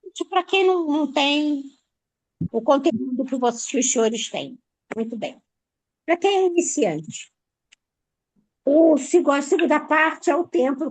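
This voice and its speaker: A woman, a church member in a Bible study, speaks hesitantly and haltingly, searching for words as she explains her understanding. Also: high-pitched, no room sound, low-quality recording. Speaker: church member asking a question.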